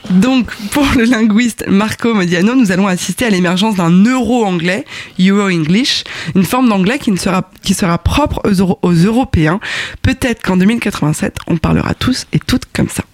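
A man's voice: high voice, normal speed, no echo. A man hosting an explainer video, playful and wry, laughing often. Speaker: host.

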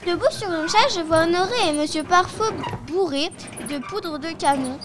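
Woman reading a children's story, high voice. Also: moderate pace, noisy background. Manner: lively, expressive storybook reading.

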